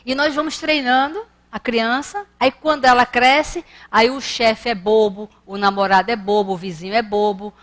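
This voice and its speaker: A woman's voice: on the high side, fairly even intonation, moderate pace, hardly any pauses, a bit bright. Brazilian woman giving a spiritist lecture. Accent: Rio de Janeiro Portuguese. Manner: conversational, acts out children and staff in her stories.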